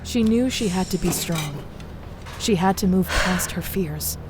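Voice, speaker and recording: A woman narrating a scripted drama in a measured, suspenseful way. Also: fairly low pitch, lively intonation, noisy background. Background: music.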